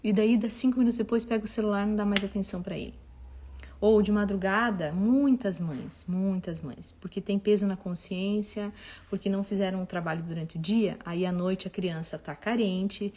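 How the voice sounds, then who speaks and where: A woman giving parenting advice to an audience in a casual, expressive talk. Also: mid-range voice, normal speed. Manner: expressive, acts out dialogue with children. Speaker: parenting advice speaker and mother.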